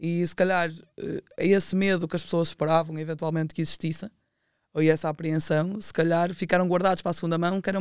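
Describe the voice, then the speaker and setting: In a very clean recording with a silent background, a woman with a European Portuguese accent talks very fast in a fairly low pitch with fairly even intonation. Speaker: podcast host. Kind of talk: casual chat. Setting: studio.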